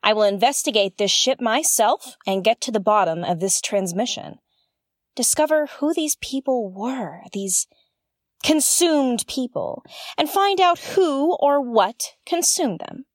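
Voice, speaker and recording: A woman's voice: a little high, animated, measured pace, no echo, clean studio sound. A woman playing an earnest, intense investigator who hosts a conspiracy podcast in an audio drama. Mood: determined. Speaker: podcast host. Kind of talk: scripted audio drama narration.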